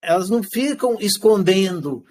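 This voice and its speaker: Animated high-voiced man teaching. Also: normal speed. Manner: animated, switches into acted quotes of everyday speech; rhetorical questions answered himself. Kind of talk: live class lecture with questions to students.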